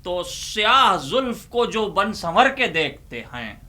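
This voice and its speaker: A Pakistani man hosting a humorous poetry reading, delivering verses in a theatrical, drawn-out way with repeated lines and banter. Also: sits high, big pitch swings, bright, forceful tone. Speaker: host reciting humorous Urdu poetry. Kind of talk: dramatic comic poetry recitation with banter.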